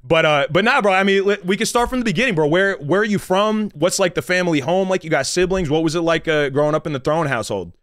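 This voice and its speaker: A man's voice: a little high, quick pace, few pauses, a bit bright, no echo, clean studio sound. A man hosting a casual podcast interview, talking in a loose, slangy, rambling way with lots of restarts. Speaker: podcast host.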